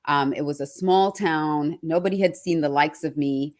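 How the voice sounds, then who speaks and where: Born in Trinidad and raised in Australia from early childhood, this personal branding speaker gives a motivational talk built on personal storytelling. Her voice sits low at a moderate pace, and she's emphatic, repeating phrases for effect.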